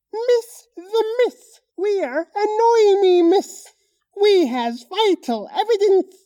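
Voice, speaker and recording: A put-on character voice, squeaky and extremely high in pitch. It moves at a very slow pace. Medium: audio drama. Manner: childish, broken grammar.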